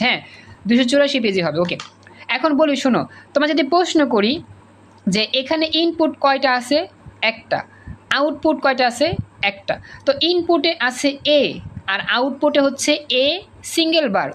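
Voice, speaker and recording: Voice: sits high, a bit bright, a little hiss or hum, low-quality recording. A woman with a Bangladeshi Bengali accent teaching an online class, repeating points and coaxing students to answer over a video call.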